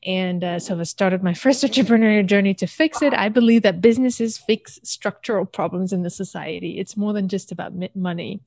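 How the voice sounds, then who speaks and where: A woman from Algeria, an entrepreneur and podcast guest, telling her story in an animated way and laughing often. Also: medium pitch, no echo. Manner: animated, laughs often, talks fast in bursts. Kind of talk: casual interview storytelling.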